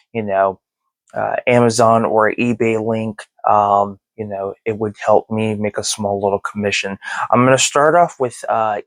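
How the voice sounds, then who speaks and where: A man's voice: on the low side, no echo. A man in his thirties hosting a movie review channel, chatting casually to his viewers with lots of fillers. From born in Texas, raised in Germany and Florida. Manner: rambling, many fillers. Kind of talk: casual talk to camera.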